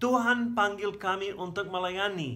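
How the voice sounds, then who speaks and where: A man with an English accent uses a raised, projected voice that is high pitched, bright and sharp in tone. His intonation is lively, and audible room echo surrounds him. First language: English (speaking Indonesian). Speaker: pastor. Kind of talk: sermon. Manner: halting.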